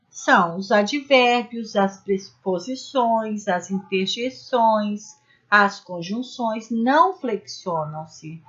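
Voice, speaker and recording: A woman's voice: on the high side, fairly bright tone. A woman teaching an exam-prep grammar lesson, walking through each rule step by step with examples and checking in with her viewers. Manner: addresses viewers as "gente" with frequent "né?" tags; explains rules step by step with spoken examples. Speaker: Portuguese language teacher. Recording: dull lo-fi recording.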